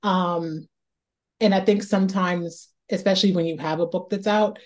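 Mellow-voiced woman author, thoughtful. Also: on the low side, steady tone, moderate pace. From Northeast Ohio. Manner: thoughtful, repeats words as she thinks aloud. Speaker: author guest. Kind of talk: reflective interview conversation.

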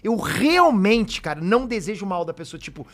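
A man's voice: sits high, sing-song, normal speed. A man telling stories in casual chat as a podcast guest, swearing freely with self-deprecating laughs.

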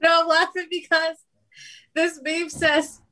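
A woman's voice: very high-pitched, level tone, pushed and bright. A woman co-hosting a casual sports chat, giggling often as she talks. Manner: giggly, quick to laugh. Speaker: podcast co-host.

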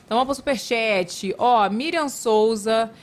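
A woman hosts a podcast, asking her guest teasing, playful questions in relaxed, casual chat. Her voice sits slightly high. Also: moderate pace. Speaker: podcast host.

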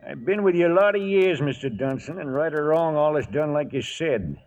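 An actor playing a loyal, plain-spoken old trail hand who narrates and acts in a western radio drama. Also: male voice, a little high, expressive, brisk, darkish tone, dull audio. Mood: reluctant, loyal. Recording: noisy vintage radio recording.

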